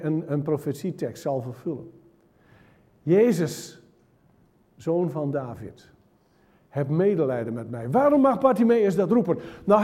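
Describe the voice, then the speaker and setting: A man preaching a sermon, telling a Bible story with animated, dramatic shifts between loud and soft. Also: sits high. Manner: animated storytelling, acts out the crowd's hushing in a raised voice.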